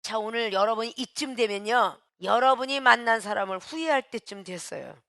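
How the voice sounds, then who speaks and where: A woman pastor preaching a sermon with emphasis, swinging between shouts and hushed, quiet lines and calling out to the congregation. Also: on the high side, moderate pace, no room sound, studio quality.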